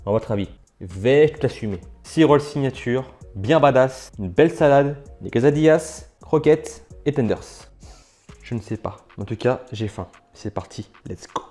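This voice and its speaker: A man's voice: medium pitch, lively intonation, unhurried, a little mellow, soft background music. A man chatting casually as he tastes and reviews food for his vlog, sometimes talking with his mouth full. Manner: chatty, talks with mouth full while tasting. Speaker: food challenge vlogger.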